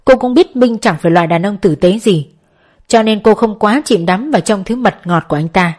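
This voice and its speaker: A woman narrating a novel as an audiobook in a steady storytelling manner. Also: medium pitch, fairly quick.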